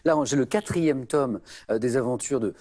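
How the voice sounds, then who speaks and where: A man hosting a televised quiz show, lively and prompting his guests with follow-up questions. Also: medium pitch, moderate pace. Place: TV studio with audience.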